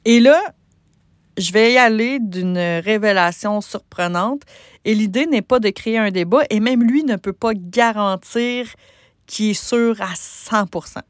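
A woman with a Québécois French accent, a business coach hosting a solo podcast, talking conversationally with many pauses and restarts. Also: medium pitch, dry recording, studio quality.

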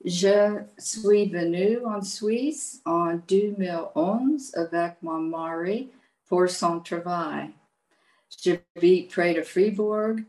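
A woman's voice: lowish voice, very slow, a little mellow, roomy sound, low-quality recording. An older woman from Virginia with an American accent, a native English speaker answering interview questions carefully. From United States, Virginia. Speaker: guest.

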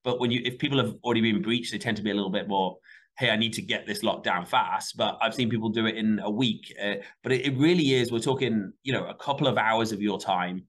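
A man with a low voice and a Michigan accent talks as an interview guest. He gets animated and his pitch jumps when he stresses a point. He speaks plainly and to the point. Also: quick pace. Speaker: CEO and guest. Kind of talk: interview answers.

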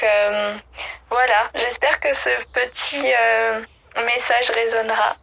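A woman leaving a voicemail for two friends, her voice bright with a gravelly edge of fry. She talks hesitantly, stopping and restarting often. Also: on the high side. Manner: hesitant, many fillers and restarts. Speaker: listener leaving a voice message. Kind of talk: casual personal voice message.

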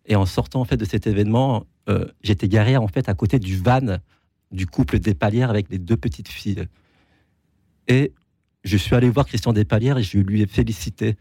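Man, 40s, from Normandy, dark husky tone, earnest halting answers, dry studio sound. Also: lowish voice, dry recording. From France (Normandy). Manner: halting, many restarts, earnest. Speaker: photographer guest. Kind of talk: interview answers.

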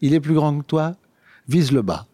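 A man's voice: on the high side, animated, moderate pace, warm tone, no room sound. Hesitant French man telling his life story. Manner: hesitant, many fillers and restarts. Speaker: interviewee. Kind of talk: personal storytelling in conversation.

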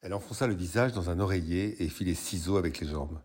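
Deep, husky male reader. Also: quick pace, a little mellow. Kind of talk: literary reading aloud.

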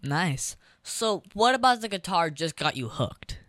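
Bright, lively show host, clean and dry. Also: medium pitch, a little slow, no room sound. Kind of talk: show hosting, interview.

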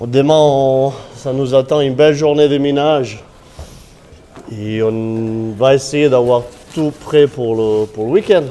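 A man with a singsong Catalan-tinged accent, mixed with southern French and Swiss touches. He works as a ski patroller and talks about his job in a relaxed, chatty way, pausing often to find his words. Faint noise hums behind him. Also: medium pitch. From Cerdagne, Pyrenees. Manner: relaxed, chatty, frequent hesitations. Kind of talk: casual interview. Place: ski area staff building.

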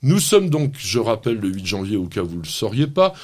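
A husky-voiced man hosts a radio gardening show. His pitch swings up and down with animated energy as he explains plants and teases his co-host. The talk is loose, chatty and often broken by laughter. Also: a little fast. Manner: teasing, enthusiastic, laughs often. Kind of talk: lively on-air gardening chat.

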